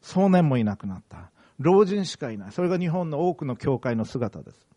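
Earnest Japanese pastor, fairly high voice. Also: male voice, sing-song, fairly quick, mellow. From Okayama, Japan. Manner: earnest, emphatic preaching with personal stories. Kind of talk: sermon.

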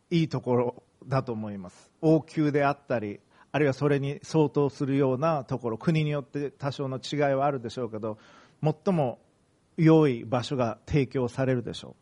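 A man preaching a sermon as a pastor, speaking in measured phrases with pauses. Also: medium pitch, a little mellow.

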